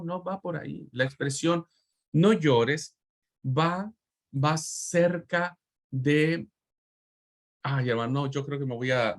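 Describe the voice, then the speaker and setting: Fervent man teaching a Bible class. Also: medium pitch. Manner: fervent, repeats words for emphasis, addresses listeners as brothers. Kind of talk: preachy Bible class lecture.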